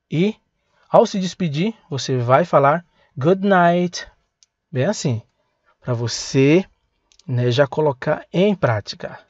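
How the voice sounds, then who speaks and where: A man with a Brazilian Portuguese accent teaching English to beginners, saying words slowly and having learners repeat them. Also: on the high side, no room sound, muffled recording. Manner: slow, drilling words for learners to repeat, breaks in to grab his pen. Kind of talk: language lesson for beginners.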